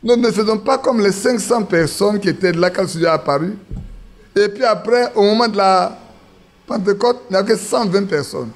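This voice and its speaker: Preacher man, higher voice. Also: moderate pace. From Ivory Coast. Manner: conversational, asks the congregation questions. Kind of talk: informal sermon. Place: church assembly.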